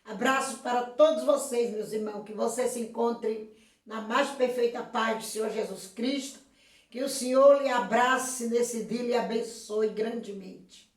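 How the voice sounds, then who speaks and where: A hoarse woman pastor from Brazil giving a slow, emphatic sermon-style video message, with frequent praise interjections. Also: on the high side, fairly even intonation. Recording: echoey room, voice from a distance.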